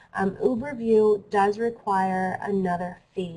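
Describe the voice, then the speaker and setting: Somewhat breathy, a woman speaks at a medium pitch with monotone, flat intonation. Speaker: webinar presenter. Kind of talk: webinar tutorial.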